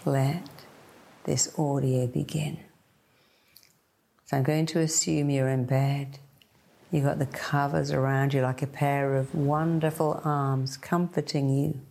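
Woman, guided sleep meditation, very unhurried pace, gravelly fry, soothing, repetitive short phrases. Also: sits low, darkish tone. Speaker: meditation guide, hypnotherapy-style narrator.

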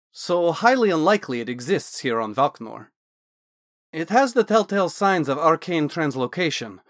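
A man voicing a curious, blithe male dragonborn scholar-mage who lectures in a brisk, lightly excited way. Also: a little high, no echo, clean studio sound, lightly acted.

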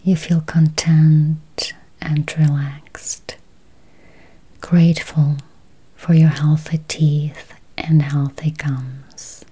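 Very slow, whispery woman guiding meditation. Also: sits low, level tone, dark tone. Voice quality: breathy, whispery. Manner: slow, soothing, long pauses. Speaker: guided meditation host. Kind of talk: guided meditation, slow affirmations.

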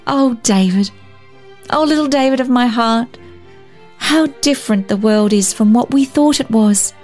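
Storybook role: female narrator as tender lonely lady, higher pitch, affectionate delivery. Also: unhurried, a little mellow, faint music behind, lightly acted. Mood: tender, delighted. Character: lonely young lady Rosemary, tender and delighted.

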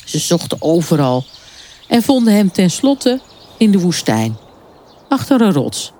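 A woman reading a children's story aloud in a calm, unhurried storytelling manner. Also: lowish voice. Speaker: story reader.

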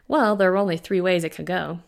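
A woman's voice: lowish voice, steady tone, fairly quick, gravelly. A woman voicing a nauseated young pregnant woman who speaks weakly and hesitantly. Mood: weary, hesitant. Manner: weak, hesitant.

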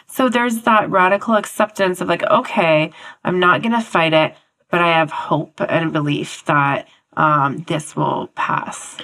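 A woman co-hosting a mind-body podcast while sick and a little sniffly, chatty and quick to laugh. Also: lowish voice, a bit bright. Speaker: podcast co-host, therapist. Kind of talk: casual podcast chat.

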